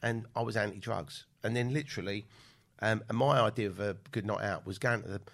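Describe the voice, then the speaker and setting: A man's voice: lowish voice, a little fast, fairly bright tone. A middle-aged man with a southern English accent, chatting casually as an interview guest and telling anecdotes in a blokey, sweary way. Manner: chatty, sweary storyteller, acting out remembered exchanges. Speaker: podcast guest, event promoter and film producer.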